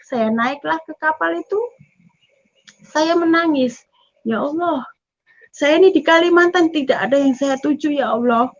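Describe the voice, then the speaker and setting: A young woman from East Java tells her church testimony with a high, bright pitch. She gets emotional and acts out the dialogue as she goes. The recording is slightly dull and lo-fi. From East Java, Indonesia. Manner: emotional storytelling, acting out dialogue. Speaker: testimony speaker.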